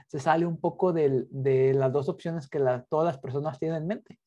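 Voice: medium pitch, fairly even intonation, moderate pace, dark tone. A podcast host talking in a friendly, teasing, chatty way while interviewing a guest over a video call. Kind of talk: casual interview chat. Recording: slightly dull, lo-fi audio.

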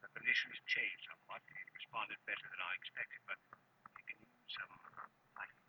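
A sharp-voiced, sober radio-drama doctor. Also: male voice, lowish voice, fairly even intonation. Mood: sober, guarded. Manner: measured, matter-of-fact. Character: sober, cautious male hospital doctor. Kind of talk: 1940s radio drama acting. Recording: faintly noisy old radio recording.

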